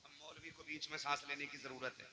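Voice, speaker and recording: A man's voice: fairly high pitch, little pitch movement, quick pace, pushed and bright. A man, a Muslim cleric, preaching and exhorting, often checking that his listeners agree. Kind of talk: sermon addressed to a congregation. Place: large religious gathering, on microphone. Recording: echoey PA hall, crowd behind.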